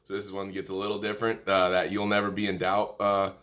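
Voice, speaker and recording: A man giving an informal music lesson, calling out notes in a halting, easygoing way and correcting himself as he goes. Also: sits low, monotone, fairly bright tone. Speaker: music tutorial instructor. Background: musical instrument playing between and under phrases.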